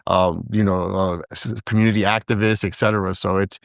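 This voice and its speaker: Podcast guest, male, raised in Brooklyn and Puerto Rico, Spanish native; low-pitched, conversational, rambling, dry close recording. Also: flat delivery, brisk, gravelly, no room sound. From Brooklyn, New York, with years in Puerto Rico. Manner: rambling, frequent fillers and restarts. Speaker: podcast guest, digital media founder. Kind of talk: casual storytelling interview.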